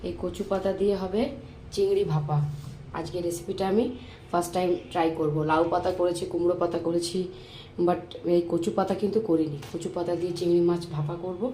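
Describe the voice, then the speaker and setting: A woman chatting to viewers in a casual daily vlog, speaking softly because of a sore throat. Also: on the low side, fairly even intonation, fairly quick. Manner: chatty, addresses viewers directly. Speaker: vlogger. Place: home and outdoors, moving around. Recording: noisy phone recording.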